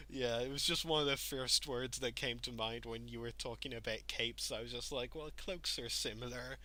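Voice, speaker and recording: A man hosting a podcast interview, relaxed, asking long questions padded with fillers. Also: mid-range voice, moderate pace. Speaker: podcast host. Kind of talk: casual interview.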